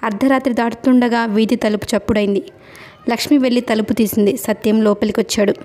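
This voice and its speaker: A woman reads a novel aloud in steady storytelling narration. Her voice sits a little high, with a mellow, warm tone. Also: a little fast. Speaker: audiobook narrator.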